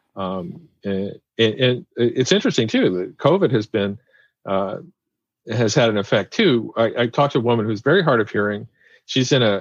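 A man speaks in a normal speaking voice at a moderate pace. His pitch is medium, with ordinary variation. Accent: American. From US Midwest. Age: 60s. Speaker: author and magazine writer. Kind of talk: interview. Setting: phone or video call.

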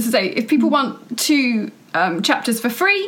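Her voice high-pitched with very wide pitch swings, a woman speaks fairly slowly amid audible room echo. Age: 40s. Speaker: property investor. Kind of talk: interview.

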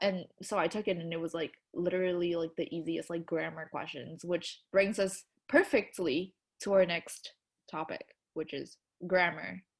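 A woman with a Hong Kong accent, fairly low pitch, ordinary pitch variation and a moderate pace. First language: Cantonese. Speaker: podcast host. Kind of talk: casual chat.

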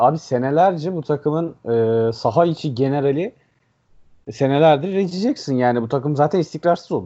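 A man with a fairly high pitch talks in an unremarkable speaking voice, keeping a moderate tempo and ordinary rise and fall. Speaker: basketball podcast host. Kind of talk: casual chat.

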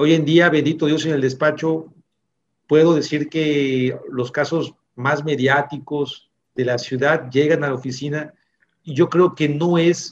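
A man with a plain, everyday voice talks at a fairly slow pace. His pitch is fairly high, and his intonation stays fairly even. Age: 30s. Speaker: lawyer and broadcaster. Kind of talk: casual chat.

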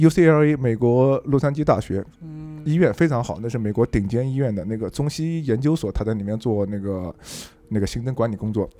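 This man has a dark, mellow tone at a medium pitch, talking at a fairly quick pace with lively intonation. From China, Nanjing. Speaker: Chinese expatriate living in the US. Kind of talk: casual chat.

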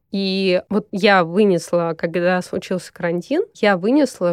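A woman talks at a very slow pace in a fairly low pitch with ordinary pitch variation, the sound dry and close with no echo over a quiet background. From Moscow, Russia. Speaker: bakery business owner. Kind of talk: interview.

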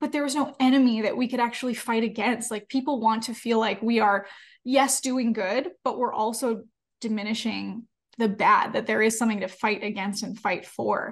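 Against a quiet background, a woman speaks at a moderate pace with a fairly high pitch, somewhat breathy and with fairly even intonation. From Canada. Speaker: content strategist. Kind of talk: casual interview.

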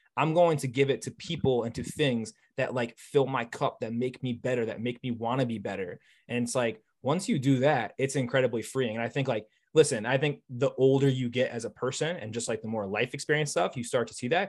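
Over a quiet background, a man with an American accent talks at a fairly quick pace in an unremarkable speaking voice, medium in pitch with ordinary pitch variation. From Connecticut, US. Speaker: mental performance coach for a baseball team. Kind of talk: casual interview. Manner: casual, slangy.

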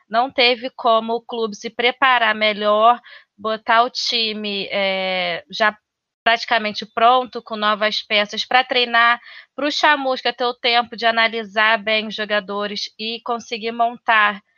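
A woman's bright, sharp tone at a fairly high pitch, with fairly even intonation, a dry, close sound with no echo, and a quiet background. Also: fairly slow pace. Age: 30s. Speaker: podcast co-host, journalist. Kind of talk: casual chat.

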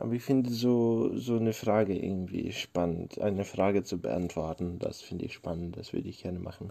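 A man with a normal speaking voice and a fairly low pitch talks with hardly any pauses and ordinary pitch variation. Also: fairly quick pace. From Ukraine. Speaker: podcast guest. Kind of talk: casual chat.

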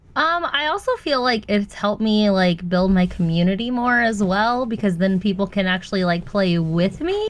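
A woman with an American accent and an unremarkable speaking voice talks at a moderate pace and medium pitch, with lively intonation, very even loudness and hardly any pauses. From US South, Atlanta. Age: 20s. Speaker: Twitch streamer. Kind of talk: casual chat.

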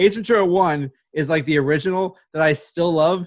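With an American accent, a man uses a normal speaking voice at a moderate pace, with fairly high pitch and ordinary pitch variation. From United States (Irish American). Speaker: comedian and podcast co-host. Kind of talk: casual chat.

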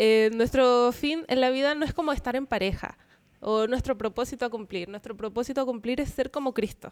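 This woman has a Chilean accent and a high pitch, with ordinary pitch variation. She talks at a fairly quick pace. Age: 20s. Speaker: podcast co-host. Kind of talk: casual chat about faith.

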